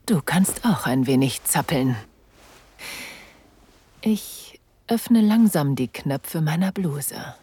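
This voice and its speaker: A woman playing a breathy, teasing lover. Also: sits low, lively intonation, warm tone, heavily acted. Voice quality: breathy, often whispered. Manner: teasing, slow and sensual. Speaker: first-person narrator and lover. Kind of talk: erotic audio drama.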